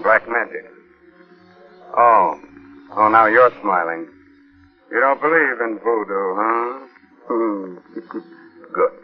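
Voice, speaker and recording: An actor playing a sly, sinister horror host in the theatrical manner of an old radio announcer. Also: male voice, on the low side, close to an everyday voice. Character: ghoulish male horror host, slyly menacing. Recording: muffled 1940s radio recording with music.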